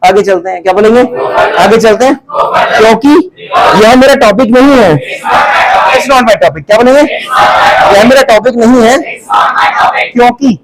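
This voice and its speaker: An English teacher with an Indian accent, running a loud call-and-response drill with a class of students. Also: male voice, very high-pitched, a little slow, pauses often, over a noisy crowd, heavy background noise. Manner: loud, commanding, repeats prompts.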